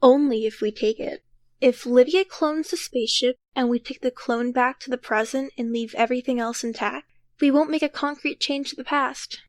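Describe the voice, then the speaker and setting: A woman's voice: high-pitched, moderate pace, no room sound, close to an everyday voice. A woman playing an earnest, cautious young time traveler who takes charge and explains things carefully in an audio drama. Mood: reassuring, confident.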